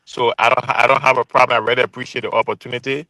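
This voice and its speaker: Fast, bright-voiced man in his 40s. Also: mid-range voice, level tone, no echo, low-quality recording. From Liberia. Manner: emphatic, pointed, repeats key phrases. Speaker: guest commentator. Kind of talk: earnest call-in commentary. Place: calling in remotely from his workplace.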